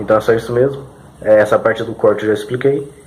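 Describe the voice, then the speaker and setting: Noticeable background noise accompanies a man at medium pitch talking at a fairly quick pace. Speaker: YouTube channel host. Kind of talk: casual video intro. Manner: fast.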